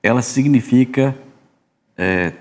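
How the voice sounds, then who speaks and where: A man's voice: medium pitch, slow pace, darkish tone. A Brazilian man, host of a church podcast, telling anecdotes in a rambling way with restarts. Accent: Brazilian Portuguese. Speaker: podcast host, music minister. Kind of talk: casual church podcast chat.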